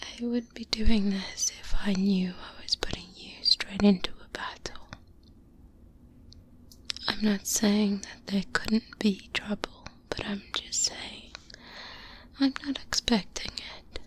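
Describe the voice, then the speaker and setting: A seasoned vampire hunter, played by a woman, mentors a trainee in a breathy, hushed whisper. The delivery is slow and deliberate, guarded and careful, in the intimate style of a close-up ASMR roleplay. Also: mid-range voice, fairly even intonation, close to an everyday voice. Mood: cautioning, reassuring. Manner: measured, deliberate, hushed, with thoughtful pauses. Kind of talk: soft-spoken ASMR roleplay monologue. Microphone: close-up binaural microphone.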